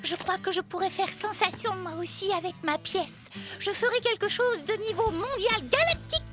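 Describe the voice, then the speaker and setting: Very high, theatrical cartoon girl. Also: normal speed, over music. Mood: boastful. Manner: gushing, theatrical. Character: excitable, ambitious, dramatic young girl putting on plays. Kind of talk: children's cartoon acting.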